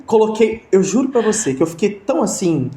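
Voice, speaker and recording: A man's voice: sits high, sing-song, fairly quick, roomy sound, crowd noise. A young Brazilian man telling a story in a casual interview, hesitant, with many restarts and fillers, over a video call. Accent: Brazilian Portuguese. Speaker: interview guest.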